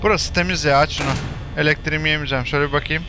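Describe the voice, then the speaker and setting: A man talking through a horror game he is playing, joking to himself and yelling when scared. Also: fairly high pitch, fairly even intonation, racing, music in the background. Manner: chatty, jokey, shouts and curses when startled. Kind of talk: let's play commentary.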